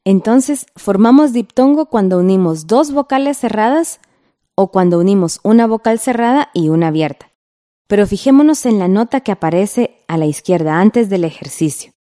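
A woman teaching a radio class, reading a scripted lesson in a slow, patient way and drawing out the example words. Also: medium pitch, expressive, mellow.

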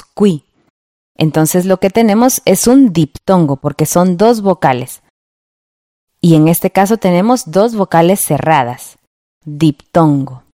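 A woman teaching a radio lesson in a clear, patient way, checking in with the listener. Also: lowish voice, warm tone, dry recording, studio quality. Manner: clear, patient, asks ¿verdad?.

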